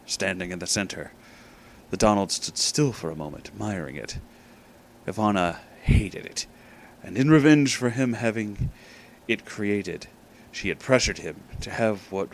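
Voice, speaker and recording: Using a fairly low voice, a man reads a comic story aloud with dramatic flair, pausing deliberately and adding amused asides.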